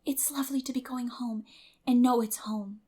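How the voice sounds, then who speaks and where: A woman's voice: fairly high pitch, fairly even intonation, normal speed, dark tone, natural voice. A woman voicing a dreamy, earnest, talkative young orphan girl in a gushing, dramatic audiobook reading. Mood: tender, happy.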